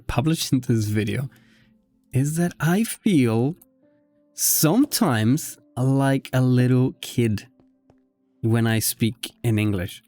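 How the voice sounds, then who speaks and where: A man whose first language is Spanish, speaking English in an unscripted casual gaming vlog with a self-conscious, halting manner. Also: medium pitch, darkish tone, dry recording. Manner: self-conscious, halting, often giggling at own slips. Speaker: video creator. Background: background music.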